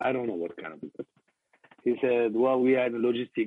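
A man's medium-pitched voice with a Middle Eastern accent and fairly even intonation. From Iraqi Kurdistan. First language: Kurdish. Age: 30s. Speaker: logistics company manager, former exchange student. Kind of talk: casual interview. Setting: video call. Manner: halting.

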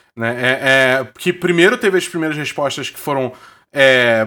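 A man speaks with a bright, sharp tone. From Rio de Janeiro, Brazil. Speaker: podcast host. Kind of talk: casual chat. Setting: video call.

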